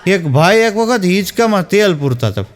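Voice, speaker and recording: High-voiced man telling jokes. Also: big pitch swings, normal speed. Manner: storytelling, acting out dialogue. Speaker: stand-up comedian. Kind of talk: telling jokes to a live audience.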